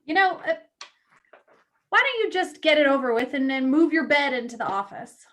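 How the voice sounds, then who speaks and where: A woman's voice: high-pitched, expressive, moderate pace, fairly bright tone. A woman acting in a play reading as a blunt, wry magazine editor who is a loyal, teasing friend.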